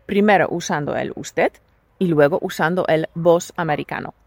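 A woman teaching a scripted language lesson, clear and patient as she leads drills. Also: low voice, normal speed, no echo. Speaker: Spanish teacher.

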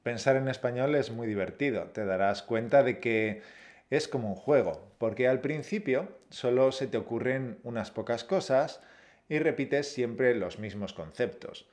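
A man co-hosting a Spanish-learning podcast, explaining steps in a steady, encouraging way. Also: medium pitch, unhurried. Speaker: Spanish teacher, podcast co-host. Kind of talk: scripted lesson.

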